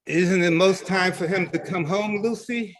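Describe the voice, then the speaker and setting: A man's voice: sits high, unhurried, a bit bright, dry recording. A man playing a bitter, suffering brother of thirty, grave and brooding, in a stage play reading. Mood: tender. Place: video call play reading.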